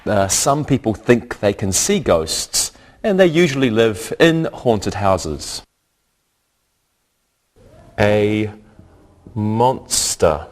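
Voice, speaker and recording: Male lesson host, deep-ish voice, very slow, careful classroom delivery. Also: very animated. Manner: slow, carefully pronounced, repeats words for learners. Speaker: English teacher and host. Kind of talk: scripted language lesson.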